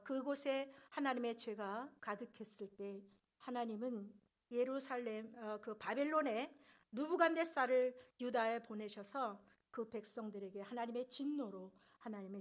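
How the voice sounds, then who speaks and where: A woman preaching a sermon in earnest, rising loud on key phrases and dropping soft at the ends of sentences. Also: fairly high pitch.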